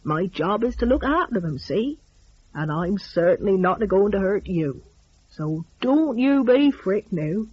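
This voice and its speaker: A woman's voice: medium pitch, animated, measured pace, muffled recording, a little hiss or hum, close to an everyday voice. A woman voicing a kindly old white-haired shepherd in a story, with folksy rustic speech and soothing endearments. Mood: reassuring. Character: kindly old white-haired male shepherd, gentle, hospitable country fellow.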